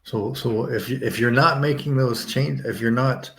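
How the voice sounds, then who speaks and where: A man's voice: mid-range voice, normal speed, gravelly, fairly bright tone. A man hosting a casual podcast interview, conversational, paraphrasing his guest's points and chuckling now and then. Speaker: podcast host.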